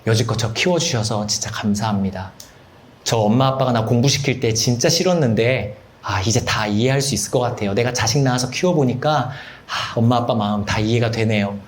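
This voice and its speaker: A man acting out a grown son who earnestly thanks his parents, in a soft, lowered voice. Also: fairly quick, lightly acted. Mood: grateful.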